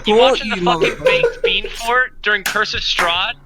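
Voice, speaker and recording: A man's voice: sits high, huge pitch swings, moderate pace, a loud crowd. A man acting as game master, narrating a tabletop game and bantering casually with the players. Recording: plucked guitar music behind.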